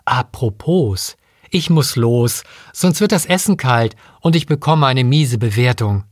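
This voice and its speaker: A man's voice: mid-range voice, animated, a little slow, no room sound, studio quality. A man voicing a cheerful, cocky male robot chimpanzee who talks in a breezy, cheeky way.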